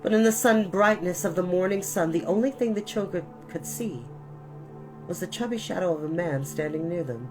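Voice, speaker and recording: Woman reading a kids book aloud, deep-ish voice, deliberate and dramatic, music clearly behind her. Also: low-quality recording. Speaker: storyteller. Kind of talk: expressive audiobook-style narration of a children's novel.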